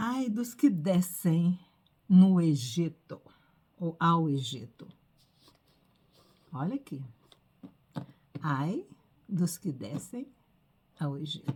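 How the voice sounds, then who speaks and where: Somewhat breathy, with a dark, mellow tone and fairly low pitch, a woman speaks at a very slow pace with very wide pitch swings and long, frequent pauses. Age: 70s. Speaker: Bible teacher. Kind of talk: Bible study talk. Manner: conversational, emphatic.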